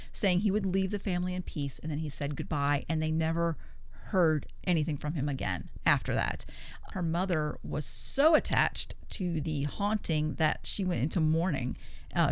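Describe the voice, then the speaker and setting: Woman, low pitch, casual storytelling, conversational podcast co-host, dry close sound. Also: no echo. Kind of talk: casual retelling of paranormal stories.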